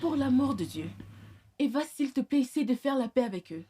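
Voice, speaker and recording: Soothing aunt figure. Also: female voice, high voice, animated, a little fast, dark tone, husky. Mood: gently insistent. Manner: soothing, comforting, maternal. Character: motherly older woman, the aunt Tata Maria.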